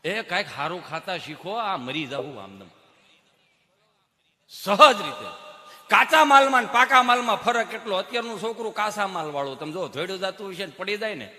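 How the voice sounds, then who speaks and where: In a large hall, a man performs Gujarati folk comedy storytelling as a stand-up comic, speaking fairly quickly in a high voice. He brings his characters to life with animated impressions of mothers, children and doctors.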